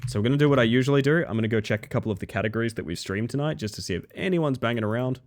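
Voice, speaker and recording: A man signs off after a long stream, his medium-pitched voice sleepy and crackly as he talks rapid-fire. He rambles amiably, chatting with his audience and thanking them.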